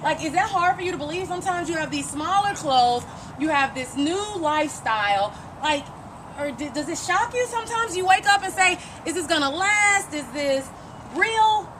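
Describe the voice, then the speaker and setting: High, bright-voiced motivational woman coach. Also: expressive, moderate pace, slight background noise. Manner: emphatic, encouraging, repeats phrases for emphasis. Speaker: fitness coach and interviewer. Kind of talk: motivational interview and pep talk.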